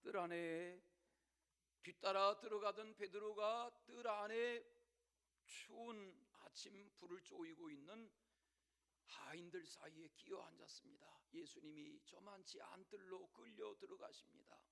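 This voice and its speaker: A man preaching in a church service with a high voice and a gravelly edge. He tells the story dramatically, rising to loud declarations and then dropping to a hushed whisper, and he keeps turning to address the congregation directly. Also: measured pace. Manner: direct repeated appeals to the congregation. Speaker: pastor. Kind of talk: Sunday sermon.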